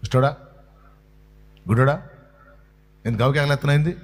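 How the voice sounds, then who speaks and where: A man voicing rough people in a crowd who harshly scold a beggar to keep quiet. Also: medium pitch, moderate pace, slight background noise, lightly acted. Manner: harsh, dismissive, rebuking.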